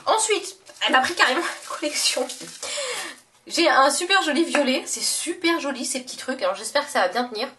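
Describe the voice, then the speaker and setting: A woman's voice: high-pitched, expressive, a little fast, pushed and bright, far from the mic, slight background noise. A young woman talking casually in a makeup haul vlog, chatty and gushing, with many fillers and self-corrections. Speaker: beauty vlogger.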